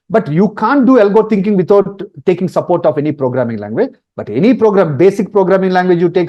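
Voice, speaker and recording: A man from India, a native Telugu speaker with a Telugu accent, teaches an informal webinar in a high, warm voice. He repeats his points emphatically and keeps checking in with "okay" and "right."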